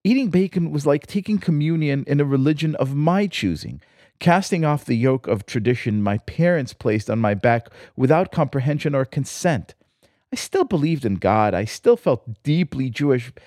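A man's voice: fairly high pitch, animated, moderate pace, a little mellow, no echo, studio quality. A man from Israel, the host, reading a reflective personal essay in a wry, lyrical storytelling manner. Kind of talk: scripted personal essay narration.

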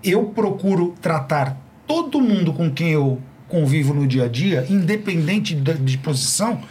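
A man's voice: a little high, a little slow, slight background noise. A middle-aged man in a casual panel conversation, telling anecdotes and acting out the dialogue of the people in them. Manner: animated storyteller acting out quoted dialogue.

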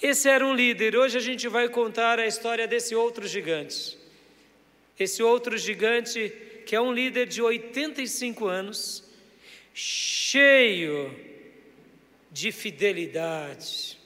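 The voice is extremely high-pitched yet steady, unhurried and fairly bright: a man preaching to his congregation, with the reverb of a church hall around him. He stresses his points emphatically, stretches key words, and puts questions straight to the people listening.

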